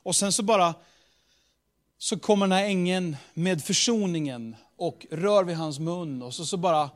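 A man preaching a sermon with emphatic, repetitive rhetorical build-ups and casual asides. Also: high voice.

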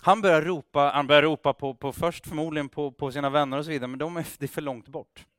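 A man's voice: fairly high pitch, fairly even intonation, fairly bright tone, dry recording, clean studio sound. A man preaching, telling a story in a loose, conversational way with restarts and acted-out dialogue. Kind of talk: sermon storytelling.

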